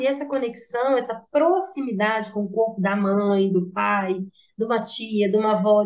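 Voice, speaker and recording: A woman with a fairly high voice and a Brazilian Portuguese accent gives parenting advice in a discussion circle. She speaks earnestly and stresses her points by repeating them. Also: a little mellow, low-quality recording. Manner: earnest, emphatic repetition. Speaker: panelist on parenting.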